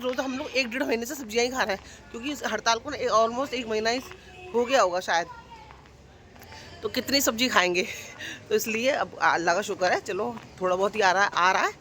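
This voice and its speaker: A woman's voice: on the high side, a bit bright, a little hiss or hum. A young woman vlogging her day to a handheld phone camera, chatting with viewers she keeps calling "friend". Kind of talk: casual daily vlog chat. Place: out and about, later at home kitchen.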